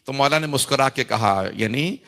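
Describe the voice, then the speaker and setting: A man delivering an emotional mourning sermon, his voice climbing into high chanted wailing as he recounts the story. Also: bright, forceful tone. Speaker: Shia cleric giving a majlis. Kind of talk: emotional Urdu majlis sermon.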